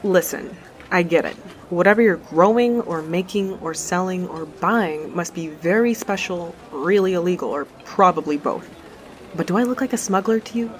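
An actress playing a wry, sharp-tongued, foul-mouthed space courier in an audio drama, talking in a sardonic, colloquial way. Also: female voice, lowish voice, moderate pace, a little hiss or hum, lightly acted. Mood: sardonic, challenging. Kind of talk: first-person audio drama narration and dialogue.

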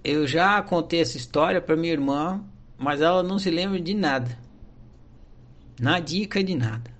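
Man, brazilian accent, slightly high voice, earnest reflective diary reading. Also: moderate pace, a bit bright. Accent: Brazilian Portuguese. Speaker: diary narrator. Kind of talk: reading a personal diary aloud.

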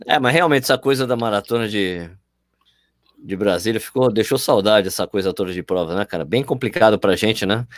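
A man's voice: on the low side, a little fast, dry recording, studio quality. Joking Northeastern Brazilian man host. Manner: jokey, informal, says "cara" often. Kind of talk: casual interview chat.

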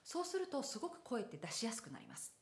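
A woman teaching singing in an online lesson, explaining things in a lively way and breaking into short sung examples. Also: fairly high pitch, fast, echoey room.

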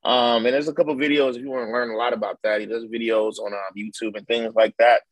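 A man joining a podcast as a guest, speaking in a relaxed, laid-back way. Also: medium pitch, fast, dry recording, rough recording. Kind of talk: casual podcast chat.

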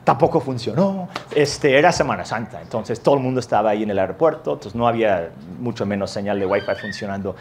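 A man telling a lively, self-mocking anecdote as part of a sermon, jumping into the voices of the people in the story. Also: lowish voice, fast, hardly any pauses, a little hiss or hum. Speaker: preacher.

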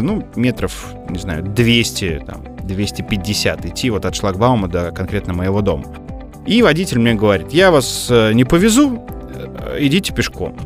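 Man telling a story with many fillers. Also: medium pitch. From Moscow region. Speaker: podcast co-host. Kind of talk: casual chat.

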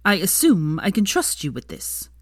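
A woman voicing a stern older headmistress who gives orders in a brisk, formal way. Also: medium pitch, huge pitch swings, husky, no echo, studio quality.

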